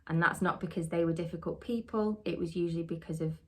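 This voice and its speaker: A middle-aged woman, giving an earnest, steady training talk on social work and asking many rhetorical questions. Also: on the low side, fast. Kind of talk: podcast teaching talk.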